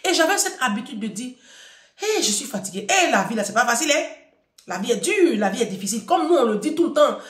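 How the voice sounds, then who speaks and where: A woman's voice: fairly high pitch, sing-song, quick pace, echoey room. A woman from Africa talking casually to an audience, telling a personal story and then giving emphatic parenting advice, addressing listeners directly and repeating phrases.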